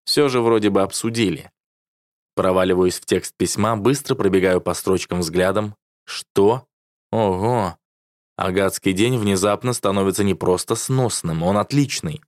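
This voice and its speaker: A man narrates a first-person novel in a low register. His delivery is wry and sardonic, close to the mic in a dry, dead-sounding space. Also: normal speed, no echo. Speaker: audiobook narrator.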